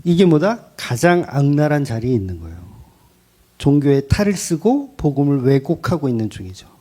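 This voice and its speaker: Animated male preacher, blunt and colloquial. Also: fairly high pitch, moderate pace. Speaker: pastor. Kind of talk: sermon.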